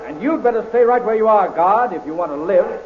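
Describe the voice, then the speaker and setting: An actor playing a heroic space adventurer in a 1930s radio serial, with a commanding, clipped manner. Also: male voice, high-pitched, animated, brisk. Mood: urgent, threatening. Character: bold heroic male space adventurer from Earth. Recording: muffled, noisy 1930s radio recording.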